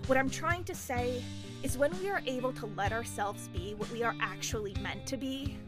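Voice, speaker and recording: Brooding, high-voiced woman played by an actress, bitter and grandiose. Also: natural voice. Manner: grandiose, declamatory monologuing. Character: brooding, bitter, melodramatic woman plotting revenge on an ex. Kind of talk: audio drama acting. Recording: music behind the voice.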